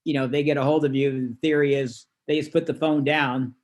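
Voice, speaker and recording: A man's voice: mid-range voice, fairly even intonation, fairly quick, darkish tone. A man working as a class instructor, explaining things conversationally in an informal online lesson. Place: online video call.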